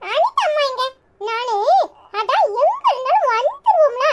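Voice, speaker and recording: In this cartoon role, a woman plays a chatty, bossy little boy, chirpy and cheeky, with a Tirunelveli Tamil accent. Her pitch is extremely high and sing-song, the pace a little slow, the voice exaggerated. Background noise is clearly present.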